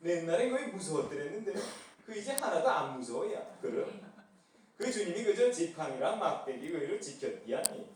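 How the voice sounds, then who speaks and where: A man voicing a brash northerner with a Pyongyang dialect, loud and emphatic. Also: a little high, very animated, moderate pace, slight background noise. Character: brash northern man asking what he lacks. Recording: echoey church hall from far off.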